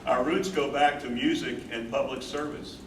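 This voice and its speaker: A man's voice: medium pitch, moderate pace, close to an everyday voice. A man playing a tender, devoted older husband caring for his wife in a staged reading of a play. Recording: roomy distant stage mic, loud noise.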